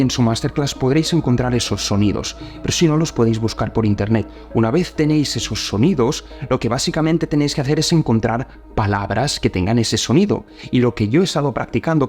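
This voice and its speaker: A man's voice: medium pitch, darkish tone. A man from giving practical tips for learning a language, speaking emphatically and addressing his viewers directly. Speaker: host.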